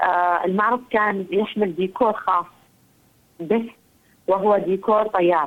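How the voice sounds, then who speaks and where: A woman with an Aden accent at a very slow pace, with long, frequent pauses, fairly even intonation and very even loudness. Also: medium pitch for a woman. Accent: Yemeni (Adeni) Arabic. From Yemen, Aden. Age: 30s. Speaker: photographer and cultural activist. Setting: phone call.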